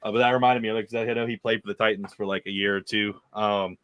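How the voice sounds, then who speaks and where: A man's voice: lowish voice, fairly even intonation, quick pace, fairly bright tone, clean tone, no echo, highs cut off. A man co-hosting a casual sports podcast, rambling with frequent restarts. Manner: rambling, full of restarts and fillers. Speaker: podcast co-host.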